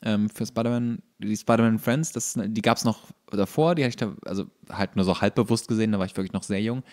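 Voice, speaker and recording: Male podcast co-host, lowish voice, informal, detailed explainer of trivia. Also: steady tone, a little fast, a little mellow. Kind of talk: casual chat.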